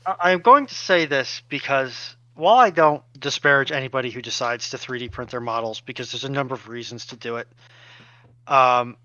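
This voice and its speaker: A man co-hosting a casual live chat, speaking in a measured, wordy way with rather formal phrasing. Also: mid-range voice, bright, forceful tone, dry recording, lo-fi sound. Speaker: co-host and chat moderator.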